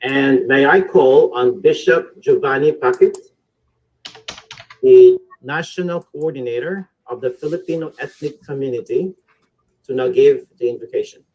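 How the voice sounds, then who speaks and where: A man co-hosting a formal award event over a video call, reading prepared remarks in a steady, measured way. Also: medium pitch, poor audio. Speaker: co-host.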